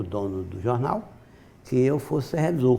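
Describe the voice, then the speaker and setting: At a moderate pace, a man speaks in a medium pitch with lively intonation. His tone is dark and mellow, and somewhat breathy. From Brazil, Paraíba (João Pessoa). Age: 70s. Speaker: publicist and editor. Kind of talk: TV interview.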